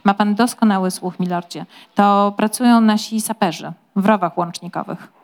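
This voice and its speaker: A steady, devoted manservant calming his master, read by a woman. The voice is gentle and reassuring, and a touch louder than ordinary talk. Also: mid-range voice, normal speed, natural voice. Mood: soothing. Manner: soothing, reassuring. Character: loyal calm male manservant, soothing, steady. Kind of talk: audiobook-style reading of a novel.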